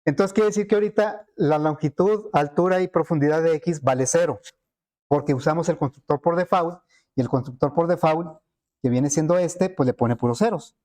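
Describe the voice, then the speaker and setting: A man teaching a programming lesson over a screen recording, thinking aloud with many fillers and quick checks with his students. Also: on the high side, a little mellow.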